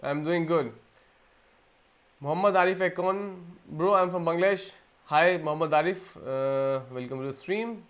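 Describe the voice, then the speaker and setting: A man's voice: on the high side, moderate pace. A man from India hosting a live Q&A stream, talking casually and rambling with frequent restarts and repeated words. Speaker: livestream host.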